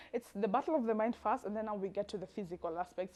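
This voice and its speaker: A woman speaks in an animated tone. Her pitch sits fairly high. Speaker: lifestyle vlogger. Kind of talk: casual vlog monologue.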